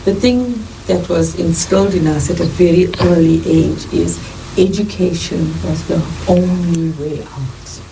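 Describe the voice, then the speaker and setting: South african woman, middle-aged, very low gravelly voice, distant mic, noisy background. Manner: measured, earnest, lists things in steady runs. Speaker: interview guest, nurse and midwife. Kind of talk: reflective interview answers.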